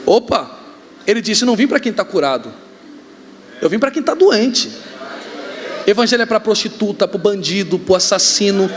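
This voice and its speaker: A man with a Brazilian accent, a pastor preaching a sermon, joking and telling stories with sudden shouts. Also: high voice, normal speed, long pauses, noisy background. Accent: Brazilian Portuguese. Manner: joking, animated storytelling with shouts. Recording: reverberant hall, faint ambience.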